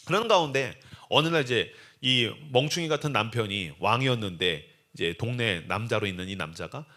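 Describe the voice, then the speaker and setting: Animated, bright-voiced man preaching. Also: medium pitch, normal speed. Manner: animated storytelling, acts out scenes. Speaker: guest preacher at a revival meeting. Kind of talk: sermon.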